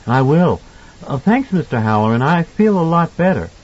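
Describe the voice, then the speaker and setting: A man's voice: a little high, very animated, moderate pace, a little mellow, highs cut off, pitched above the performer's own voice. A man voicing a polite, trusting little boy in an audiobook, candid and a little tentative. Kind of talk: audiobook character dialogue.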